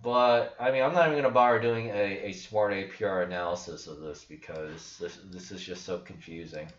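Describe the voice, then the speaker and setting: A man's voice: low voice, fairly even intonation, fairly quick. Skeptical young man, echoey lo-fi room. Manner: blunt, skeptical, rambling with restarts. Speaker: crypto channel host. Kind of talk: casual screen-share commentary. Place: small room indoors. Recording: echoey room, dull lo-fi sound.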